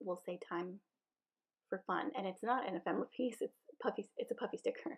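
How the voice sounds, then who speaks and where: A woman speaks softly at a fairly high pitch. Her pitch variation is ordinary. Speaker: scrapbooking crafter. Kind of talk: craft tutorial narration. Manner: soft-spoken.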